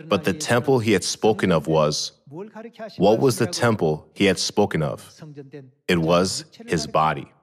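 A middle-aged man preaching a sermon at a pulpit, measured and posing rhetorical questions he then answers. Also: low voice. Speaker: pastor. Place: large church hall, at a pulpit. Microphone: podium microphones.

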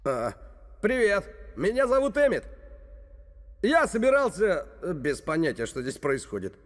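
Clueless animated toy everyman: high, hesitant, bumbling, lively swings, long reverb. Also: unhurried, heavily acted. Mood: flustered. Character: ordinary young male toy figure, awkward, clueless. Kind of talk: animated film dub acting.

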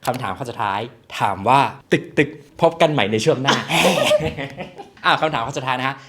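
A man's voice: medium pitch, animated, moderate pace, a crowd in the background. A man hosting a joke quiz game in a casual, teasing way, laughing often between questions. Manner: jokey, laughs often, polite ending particles.

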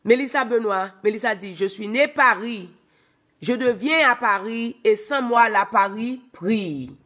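A woman in her thirties with a Haitian accent talks casually into a phone held at arm's length in a small room. She hosts a live stream, reading viewers' comments aloud with animated energy. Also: a little high, unhurried. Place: small indoor room before curtains. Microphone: phone camera at arm's length.

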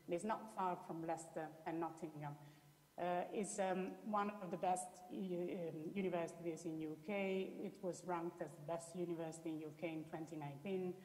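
A woman's voice: fairly low pitch, fairly even intonation, moderate pace, darkish tone. A woman with an Italian accent giving an explanatory presentation as an academic researcher, often restating her words. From Italy. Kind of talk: spoken presentation with slides. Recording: echoey hall with long reverb.

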